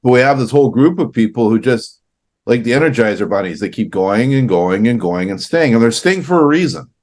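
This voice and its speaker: A man's voice: medium pitch, expressive, a little fast, a little mellow. A man from Canada co-hosting a casual business chat, talking loosely with fillers and restarts. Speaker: co-host.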